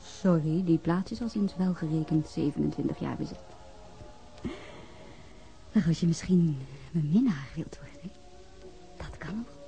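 Soft, mellow, intimate woman. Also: deep voice, unhurried, gravelly, long pauses, soft background music, rough recording. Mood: teasing, intimate. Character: intimate, gently teasing younger woman, detective's confidante. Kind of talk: intimate radio drama acting.

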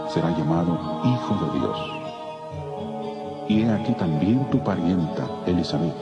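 An actor playing a majestic angel messenger of God in solemn, declamatory scripture drama. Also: male voice, sits low. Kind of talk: dramatized scripture audio acting. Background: loud music.

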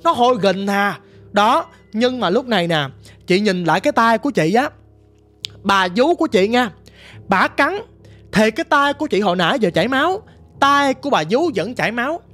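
A woman's voice: fairly high pitch, expressive, moderate pace, fairly bright tone, faint music behind. A woman with a Southern Vietnamese accent telling her ghost story in a vivid, dramatic, casual way, talking straight to the listener. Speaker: storyteller guest.

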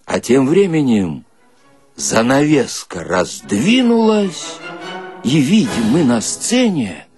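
A man's voice: mid-range voice, slow, faint music behind. A man performing a colloquial comic monologue as a storyteller, with a folksy, theatrical delivery. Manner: folksy, theatrical, animated, breaks into mock singing.

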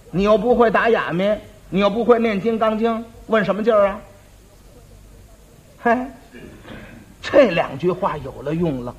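Crosstalk guy telling a story, stammery teasing, high husky voice, lo-fi old tape. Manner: stammering, teasing back-and-forth. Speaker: crosstalk performer. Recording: dull lo-fi old recording.

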